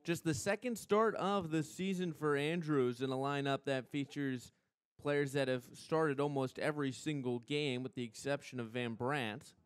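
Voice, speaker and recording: A young American man doing live radio play-by-play commentary of a softball game as the announcer. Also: mid-range voice, smooth, no room sound. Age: young adult. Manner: measured between plays, excited on big plays.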